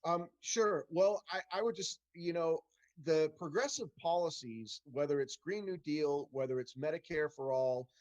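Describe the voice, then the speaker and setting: Middle-aged candidate, earnest, halting, slightly high voice, dry close video-call sound. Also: male voice, darkish tone, no echo, lo-fi sound. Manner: earnest, many restarts and fillers. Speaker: congressional candidate. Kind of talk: town hall Q&A answers.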